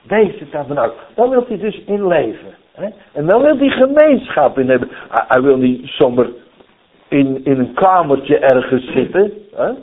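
A man's voice: on the high side, normal speed. A man preaching a sermon in a folksy storytelling way, often checking in with "hè?", who grew up in the Netherlands. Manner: folksy, lively storytelling with many "hè?" asides. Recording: tinny phone-like sound.

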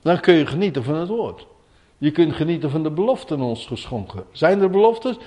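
A man's voice: a little high, animated, fairly quick. A man preaching an informal sermon, reading Bible verses and commenting on them in a conversational way, often asking his listeners questions and repeating key words. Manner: says "hè?" often, drops to a hush for emphasis.

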